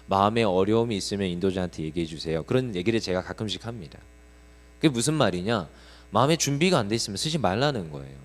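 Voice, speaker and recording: Male preacher in a reverberant hall. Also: medium pitch. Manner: conversational, rhetorical questions to the congregation; humorous storytelling asides. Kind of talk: sermon. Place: church sanctuary. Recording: long reverb of a large hall.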